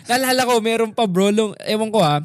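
A man from the Philippines in his thirties co-hosts a casual podcast chat. He tells stories animatedly, often swearing in passing. His voice sits high, and the sound is dry and close. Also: a little fast, no room sound. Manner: animated storyteller who acts out quoted voices, swears casually. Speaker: podcast co-host.

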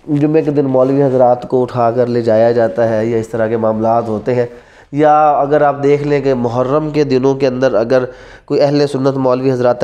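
A man in his thirties with a Pakistani accent teaches law at a classroom whiteboard, his medium-pitched voice carrying a dark tone. His lecture blends Urdu and English terms, and he poses rhetorical questions and repeats key terms.

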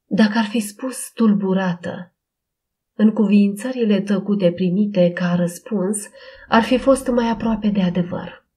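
A woman's voice: mid-range voice, dark tone. Woman narrating a Christian audiobook.

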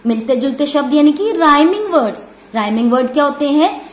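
A woman teaching young children, who explains slowly, asks questions and repeats and stresses key words. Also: high-pitched, lively intonation. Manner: calls the pupils 'beta' and asks questions before answering them. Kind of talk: online lesson for young children. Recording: echoey room.

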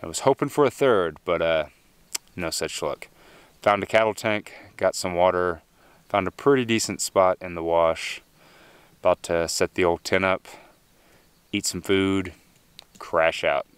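A man, talking casually into a handheld camera outdoors while thru-hiking, upbeat but trailing into low mutters. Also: a little slow, long pauses, clear, resonant tone, no echo. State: slightly winded from climbing. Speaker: thru-hiker vlogger. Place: outdoors in open desert. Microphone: handheld camera at arm's length.

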